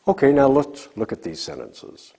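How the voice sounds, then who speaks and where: A man teaching a recorded English lesson, slowly drilling example sentences for learners to repeat. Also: mid-range voice, very animated, vocal fry, mellow, slightly rough.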